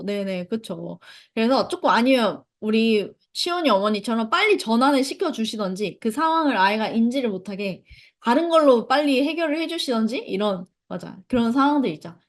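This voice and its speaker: Lively, high-voiced woman teaching parents. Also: normal speed. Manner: reads participants' chat comments aloud. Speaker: parenting instructor. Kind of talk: online parent education lecture.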